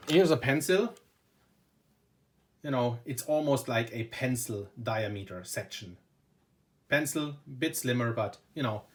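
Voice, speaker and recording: A man's voice: mid-range voice, a bit bright. A man whose first language is German, speaking English with a German accent and casually reviewing a fountain pen at his desk, full of "very, very" and "you know". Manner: enthusiastic, repeats "very, very" and "you know". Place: indoors at a desk.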